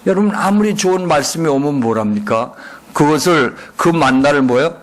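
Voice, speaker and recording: 예배당에서 설교하는 중년 남성 목사로, 회중에게 수시로 질문을 던지고 응답을 유도한다. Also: male voice, medium pitch. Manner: call-and-response, frequent rhetorical questions. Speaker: guest pastor. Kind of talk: sermon. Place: church sanctuary.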